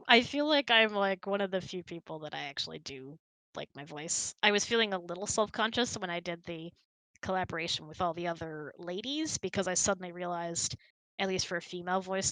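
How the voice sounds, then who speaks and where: Woman, casual candid hangout host, slightly low voice, close dry sound. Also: fairly bright tone, no room sound, rough recording. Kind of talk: casual chat with spouse.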